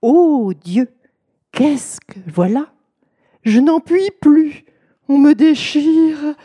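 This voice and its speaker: A woman doing a husband's loud anguished cries. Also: medium pitch, sing-song, slow pace, slightly rough, heavily acted. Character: husband feigning labor pains, loud and theatrical.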